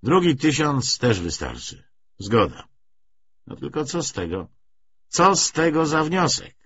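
A hesitant young man voiced by a male audiobook reader, good-natured and noncommittal, musing in halting phrases. His voice is a little husky and swings up and down, on a slightly muffled recording. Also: a little high, very animated, fairly bright tone, voice pushed up, exaggerated voice. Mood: evasive, thoughtful.

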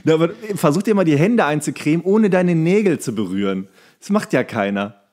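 A man's voice: fairly high pitch, animated, fairly quick, a little mellow. A man who co-hosts a podcast, bantering casually in a teasing, joking way. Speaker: podcast co-host.

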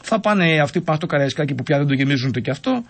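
A man speaking as a radio sports pundit, measured and wry, analyzing football fans. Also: a little high, lively intonation, creaky.

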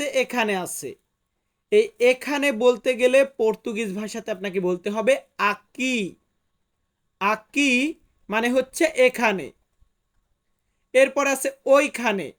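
A man teaching vocabulary in a slow lesson, repeating each word and its meaning. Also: extremely high pitch. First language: Bengali. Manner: slow, repetitive, explains each word twice. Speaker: language teacher.

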